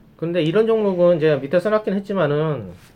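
Swinging very widely in pitch, a man with a high voice speaks at a fairly quick pace. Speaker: stock analyst guest. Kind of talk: casual chat. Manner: soft-spoken.

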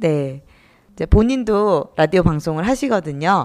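A woman's plain, everyday voice with lively intonation and a moderate pace, on a very clean recording with a silent background. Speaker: radio instructor and DJ. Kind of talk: radio show hosting.

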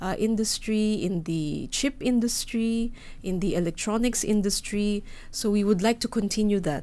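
In a Filipino accent, a woman speaks at a fairly high pitch. Her tone is dark and mellow. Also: ordinary pitch variation, moderate pace. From Philippines. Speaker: ambassador. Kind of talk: interview. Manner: halting with frequent fillers.

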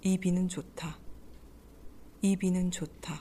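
Her voice is somewhat breathy, with a dark, mellow tone at medium pitch. This woman speaks at a very slow pace. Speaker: reading group participant. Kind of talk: poetry reading discussion.

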